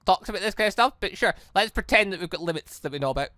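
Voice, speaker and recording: A man hosting a let's play, rambling excitably and thinking aloud in casual commentary. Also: high-pitched, very fast, no room sound, studio quality. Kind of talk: casual game commentary with read-out dialogue. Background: faint music.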